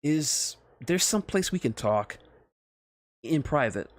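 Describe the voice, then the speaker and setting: Man doing an eager, nerdy, higher-pitched scientist. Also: expressive, slow, no room sound, studio quality. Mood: earnest, explaining. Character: polite, nerdy, eager male scientist in glasses.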